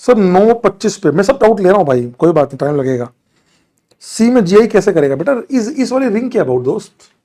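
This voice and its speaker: A middle-aged man runs a live online chemistry lecture, working through student doubts. His voice sits high for a man, and he teases and scolds his students bluntly while slipping English terms into his talk. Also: big pitch swings, brisk, mellow. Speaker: chemistry teacher.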